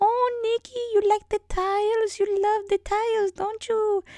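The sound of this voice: A female-sounding, put-on character voice with a Romanian accent squeaks at an extremely high pitch in monotone, flat intonation at a moderate pace.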